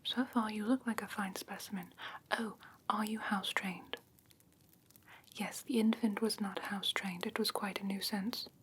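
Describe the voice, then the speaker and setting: A woman voicing an ancient, haughty yet curious fae in a soft breathy whisper for an ASMR fantasy roleplay, halting and matter-of-fact. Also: medium pitch, lightly acted. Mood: appraising, haughty. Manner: unhurried, matter-of-fact, faintly condescending, halting. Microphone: close ASMR microphone. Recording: close-miked with clear background ambient noise.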